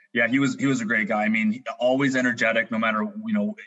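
A man speaks with a Western Canadian accent. He talks at a very fast pace in a monotone, flat intonation. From northern British Columbia, Canada. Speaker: hockey app co-founder, former goaltender. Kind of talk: casual interview chat.

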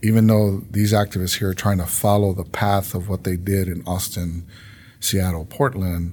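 A very deep, low, somewhat breathy male voice with an American accent and fairly even intonation, in a very clean recording with a silent background. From San Antonio, Texas. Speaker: police union leader. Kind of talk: interview.

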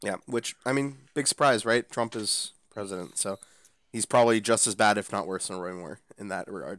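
A man speaks in a plain, everyday voice at fairly low pitch and a moderate pace, with ordinary pitch variation and big swings in loudness. The recording is very clean with a silent background, its sound dry and close with no echo. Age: 20s. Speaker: podcast co-host. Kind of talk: casual chat.

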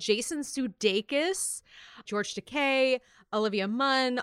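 The woman's tone is animated, with ordinary pitch variation. Her recording is very clean, with a silent background. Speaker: podcast co-host. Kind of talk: casual chat.

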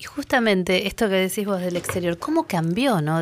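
Here is a woman with a plain, everyday voice. Her pitch is medium and her pace moderate. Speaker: radio host. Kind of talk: interview. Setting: radio studio.

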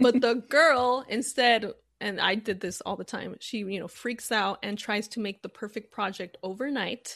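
An unremarkable speaking voice comes from a woman with an American accent and a fairly high pitch, using ordinary pitch variation. She keeps a moderate pace with hardly any pauses against a quiet background. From Arizona, US (small border town). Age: 30s. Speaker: actress and comedian. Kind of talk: interview conversation. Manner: laughs often.

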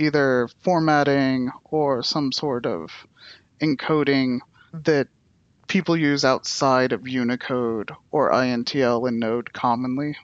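An unremarkable speaking voice from a man with an American accent, fairly high in pitch with ordinary pitch variation, at a fairly slow pace in a dry, close sound with no echo. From United States. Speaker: podcast host, software developer. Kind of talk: technical podcast interview.

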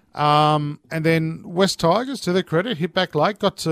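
The man speaks with an Australian accent in a fairly high pitch and ordinary pitch variation, with a dry, close sound and no echo. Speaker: sports podcast host. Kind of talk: casual chat.

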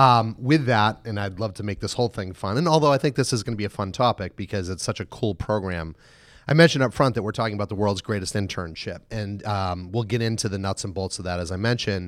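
On a very clean recording with a silent background, a man talks at a very fast pace with a fairly low pitch and ordinary pitch variation. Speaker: podcast host. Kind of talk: interview.

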